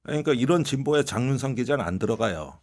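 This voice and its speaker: A man giving political commentary on a talk show, in an animated, drawn-out analytical way. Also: medium pitch.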